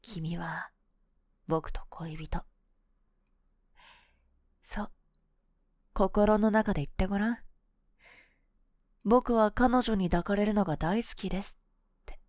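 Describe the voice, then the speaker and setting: A woman voicing a cool, boyish young woman, a possessive and sweetly manipulative lover, in an ASMR role-play of intimate pillow talk, soft, breathy and coaxing, close to the microphone. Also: mid-range voice, normal speed, pauses often, no room sound, close to an everyday voice. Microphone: close microphone, dry.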